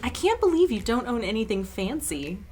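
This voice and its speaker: A woman playing a breezy, teasing young friend in an audio drama, speaking casually and briskly. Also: a little high, big pitch swings, a little mellow.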